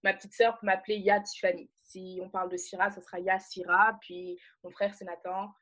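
A woman's voice: mid-range voice, level tone, brisk, a bit bright. A young woman from France co-hosting a podcast, explaining things casually with lots of fillers and slang. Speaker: podcast co-host. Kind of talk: casual chat.

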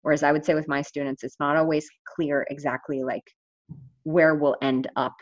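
A woman with a low voice talks through her ideas on a video call, pausing on fillers and restarting her sentences. The sound is dull and dry, like a call recorded without any room around it. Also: flat delivery, dry recording. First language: not Finnish. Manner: thoughtful, many fillers and restarts. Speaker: online language coach. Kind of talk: casual video call conversation.

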